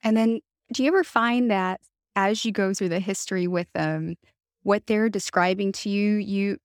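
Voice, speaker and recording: A woman's voice: mid-range voice, normal speed, dry recording, clean studio sound. A woman interviewing a clinician, asking a thoughtful question that she rephrases as she goes.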